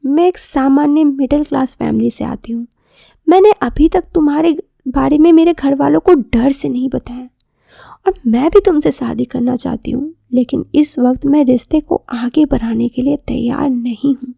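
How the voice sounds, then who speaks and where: High-voiced, earnest young college woman, acted by a woman. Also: moderate pace, creaky, dark tone, dry recording, clean studio sound. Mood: pleading, earnest. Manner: earnest, protesting. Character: young college woman in love, shy, anxious, principled.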